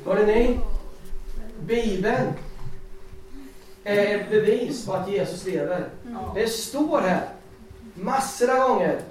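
A man with a high-pitched voice preaches informally to a gathering, mixing Bible verses with personal stories told in a chatty, animated way. He stands at a distance from the microphone in a strongly echoing room, with a faint hiss of noise underneath. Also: pauses often. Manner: chatty, laughing, animated storytelling. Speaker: lay preacher. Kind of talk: informal sermon with personal testimony. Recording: echoey hall, distant mic, faint noise.

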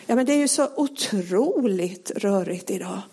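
A woman preaching a sermon, earnest and pleading, often sinking to a hushed whisper. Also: medium pitch, expressive, breathy edge.

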